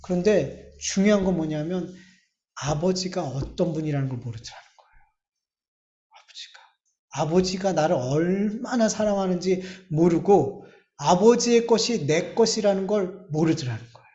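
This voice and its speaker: A male pastor preaching a sermon in a church, emphatic, with drawn-out pauses and rising bursts. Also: high-pitched, dark tone. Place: church sanctuary. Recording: echoey church hall, slightly dull sound.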